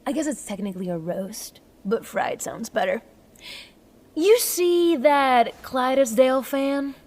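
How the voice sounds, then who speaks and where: A scrappy, upbeat engineer in a naturalistic sci-fi audio drama. Her voice sits fairly high, and she talks in a wry, rambling way. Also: animated, a little slow, darkish tone, heavily acted. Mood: wry, breezy. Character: scrappy upbeat engineer woman on a doomed earth.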